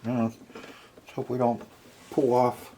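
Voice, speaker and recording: A man's voice: mid-range voice, flat delivery, takes it slowly, background noise. A man casually narrating a hands-on repair as he goes, muttering to himself in short, folksy remarks. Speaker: host of a retro repair video channel.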